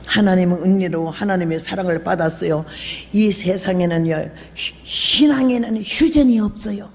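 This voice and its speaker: Gravelly older woman preaching in a hall. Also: lowish voice, normal speed. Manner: animated storyteller, acts out quoted voices, bursts into shouts. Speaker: missionary preacher. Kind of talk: sermon with testimony storytelling. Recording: long hall reverb.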